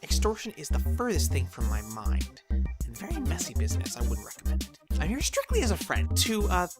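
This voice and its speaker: A woman as an animated, eccentric male scientist. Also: on the low side, a little fast, over loud music. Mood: curious, obliging. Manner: polite, wordy, formal. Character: eager, smooth-talking male doctor, eccentric scientist. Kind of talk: audio drama acting.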